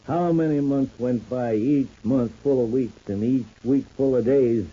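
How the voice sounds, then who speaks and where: A man's voice: medium pitch, a little slow, mellow, husky. An actor playing a folksy, protective country man with homespun phrasing in a vintage radio soap. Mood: rueful. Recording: muffled old radio recording.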